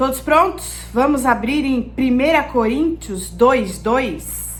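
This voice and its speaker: Very slow pace with audible room echo. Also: woman. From São Paulo state interior, Brazil. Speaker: online Bible study teacher, psychoanalyst. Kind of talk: Bible study talk.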